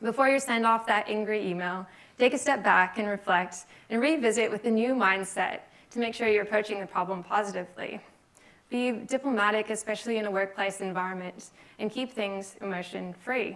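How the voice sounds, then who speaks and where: Talking at a fairly quick pace, a woman with an American accent uses a fairly high pitch and fairly even intonation. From California. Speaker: software engineer and conference speaker. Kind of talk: conference talk.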